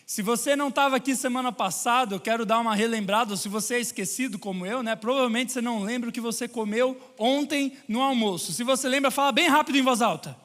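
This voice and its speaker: Brazilian male pastor, very high bright voice, joking sermon in a reverberant church hall. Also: fast talker, few pauses. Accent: Brazilian Portuguese. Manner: lively and joking with the congregation.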